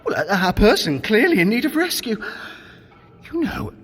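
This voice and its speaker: Sly trickster god with theatrically swooping pitch. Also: male voice, very animated, normal speed, a bit bright, husky, long reverb tail, full character voice. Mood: wheedling, dramatic. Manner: pompous, wordy, mock-innocent, teasing. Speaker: guide of a training adventure. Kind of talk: audio drama acting.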